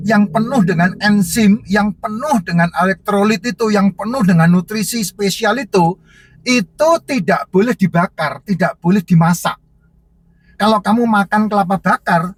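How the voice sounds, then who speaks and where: Answering viewer questions, a man who sells herbal drinks gives casual, emphatic advice, repeating himself and listing one point after another. His voice is high-pitched and husky, with no echo.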